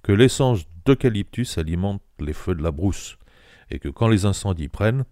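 A sly old bush yarn-spinner, put on by a male reader, spinning tall tales with emphatic swings. The voice sits deep and dark. The sound is dry and close. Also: lively intonation, moderate pace, no echo, natural voice.

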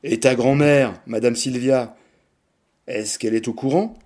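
Guy reading a cold young man in a storybook, dry clipped lines, warm dark tone, no feeling in it. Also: mid-range voice, fairly even intonation, measured pace, lightly acted.

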